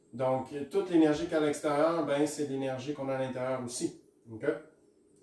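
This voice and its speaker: Over noticeable background noise, a man talks in a fairly high voice. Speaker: meditation teacher. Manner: fast; halting.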